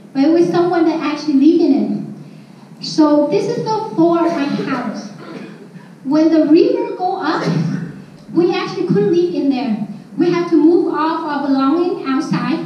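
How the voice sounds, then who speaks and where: A woman's voice: sits high, slight background noise. A woman from southern Vietnam with a Vietnamese accent, speaking with a handheld mic to a large conference room, joking and candid. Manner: lively, joking, candid about cussing. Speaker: speaker at a real estate training. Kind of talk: presentation to an audience. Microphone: handheld mic, filmed from far back. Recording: echoey room from far off, dull.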